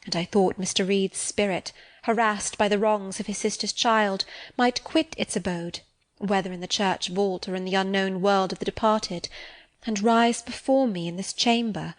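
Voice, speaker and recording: A woman narrating a classic novel for an audiobook. Her reading is measured and expressive, and she slows down for suspenseful phrases. Her voice sits in a middle register. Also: mid-range voice. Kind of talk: scripted narration.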